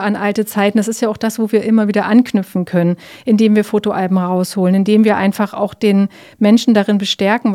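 A woman giving calm, explanatory answers in an interview, with frequent fillers and tag questions. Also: medium pitch.

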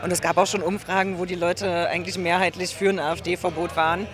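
A man answering questions in a casual interview outdoors in town, speaking in a relaxed, hedging way. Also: high-pitched, fairly quick. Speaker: interviewee at a demonstration.

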